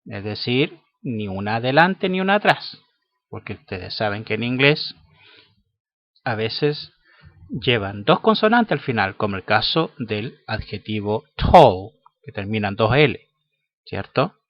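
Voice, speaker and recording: Male teacher, patient explainer, slow delivery, dry muffled recording. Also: on the low side, sing-song, no echo. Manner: slow, patient, checks in with "¿cierto?" and "¿ya?". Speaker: English teacher. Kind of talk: lesson explanation.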